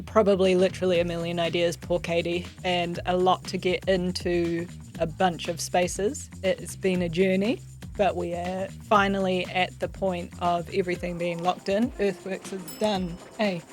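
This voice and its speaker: A woman chats playfully alongside her partner about their build. Her voice is on the low side, with faint music underneath. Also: flat delivery, moderate pace. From New Zealand. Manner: playful, chatty. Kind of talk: casual vlog chat.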